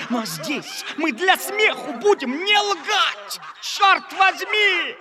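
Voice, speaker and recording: A cackling, mocking young baron in a radio play, his voice pitched very high and swooping wildly between notes. He draws his words out slowly, while a crowd laughs behind him. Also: exaggerated voice. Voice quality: cackling, jeering. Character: young male dissolute baron, mocking and shameless.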